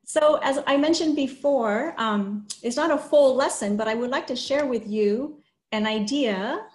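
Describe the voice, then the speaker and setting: A woman's voice: high voice, measured pace. A middle-aged woman hosting a read-aloud and interview over a video call. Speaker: host interviewing an author. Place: small indoor room, video call. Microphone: computer mic on a video call. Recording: roomy, echoey video call.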